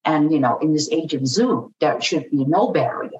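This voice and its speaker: A woman's voice: deep voice, animated, moderate pace, a little mellow. A woman speaking as a guest in an interview, earnest and repeating herself with many fillers. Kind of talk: conversational interview. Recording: distant, roomy, dull audio with faint noise.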